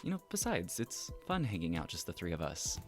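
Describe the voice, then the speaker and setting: A woman playing an easygoing, kindly young friend, talking casually and gently in an audio drama. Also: a bass voice, very animated, brisk, faint music behind. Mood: gentle, casual.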